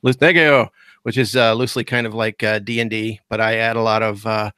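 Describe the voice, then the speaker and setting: A man with a bright, forceful tone talks loosely over a video call, circling back with fillers and restarts as he explains his projects. The sound is close and dry, with no room around it. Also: on the low side, fairly even intonation, fairly quick, clean tone, no room sound. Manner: rambling, many fillers and restarts. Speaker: guest host, podcast creator. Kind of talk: casual video call chat.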